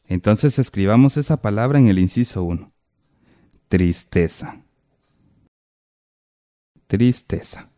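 A man's voice: on the low side, animated, a little fast, dark tone, no echo, clean studio sound. A man co-teaching a textbook lesson, explaining step by step and posing questions to the listener.

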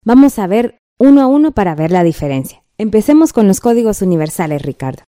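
A woman's voice: mid-range voice, sing-song, fast talker, mellow. A woman with a Guatemalan accent teaching a textbook lesson, patient and checking in often with the listener.

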